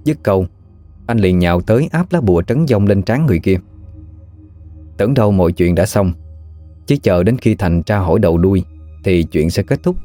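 Deep dark-voiced male storyteller. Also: lively intonation, moderate pace, pauses often, no echo, faint music behind. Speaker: narrator. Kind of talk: scripted narration of a ghost story.

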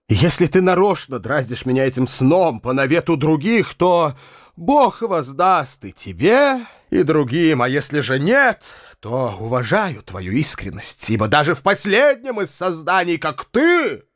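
Male reader voicing a pompous, self-pitying hypocrite in a storybook: high, shrill, melodramatic declaiming with big swings. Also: big pitch swings, a little slow. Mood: magnanimous. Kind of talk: audiobook reading.

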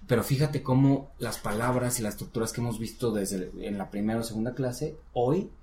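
A man's voice: medium pitch, brisk, mellow, a little hiss or hum. Patient male teacher in a roomy space. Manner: encouraging, patient explaining. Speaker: English teacher. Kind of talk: one-on-one language lesson. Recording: roomy echo.

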